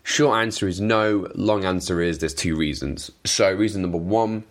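A man's voice: deep voice, moderate pace. A young Welsh man with a Welsh accent, hosting a podcast and answering listener questions in a chatty, self-deprecating, rambling way. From Wales. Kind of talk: casual chat.

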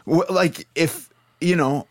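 A man hosting a podcast, thinking aloud in a halting way with frequent restarts. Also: fairly high pitch, dry recording, studio quality. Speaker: podcast host. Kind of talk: casual podcast chat.

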